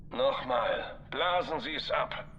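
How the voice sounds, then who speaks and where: A man's voice: medium pitch, slow, pushed and bright, a little hiss or hum. An actor playing a smug, confident enemy general, heard over a ship communicator and talking down to his foes. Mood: taunting. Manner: taunting, condescending. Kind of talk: video game dub. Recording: dull lo-fi comm channel with music.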